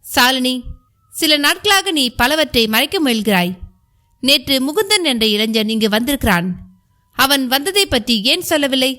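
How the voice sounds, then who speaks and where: A man's voice: very high-pitched, animated, moderate pace, pushed and bright, full character voice. A woman reading the lines of a stern, suspicious male music master who scolds with demanding questions.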